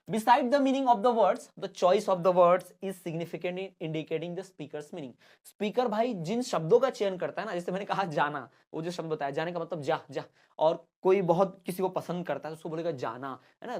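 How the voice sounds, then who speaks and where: A male teacher from India leads an exam-prep lesson. He reads English lines at a deliberate pace, then explains them at length. He keeps addressing listeners as "bhai" and repeating reminders to remember. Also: high-pitched.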